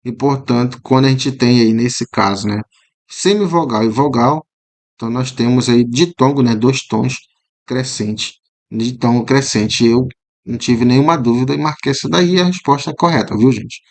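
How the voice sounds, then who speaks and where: Brazilian man explaining exam questions. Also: medium pitch. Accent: Brazilian Portuguese. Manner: explanatory, frequent "né?" tags, repeats words slowly to model pronunciation. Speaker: teacher. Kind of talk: commented exam walkthrough.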